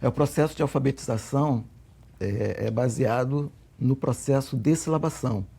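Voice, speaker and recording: A Brazilian man with a Brazilian Portuguese accent, answering interview questions in a measured way and repeating his key points. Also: mid-range voice, creaky, mellow, husky. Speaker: guest, co-author of a literacy method.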